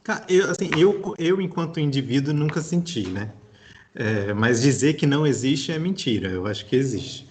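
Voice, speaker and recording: A young man with a Rio de Janeiro accent speaks as a podcast guest, reflective and unhurried in thought. He works his ideas out aloud, often restarting a phrase before landing it. His voice sits at an ordinary middle pitch, with a faint hiss of noise behind it. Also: lively intonation, darkish tone. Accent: Brazilian Portuguese, Rio de Janeiro. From Brazil. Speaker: guest historian. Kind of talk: casual podcast interview.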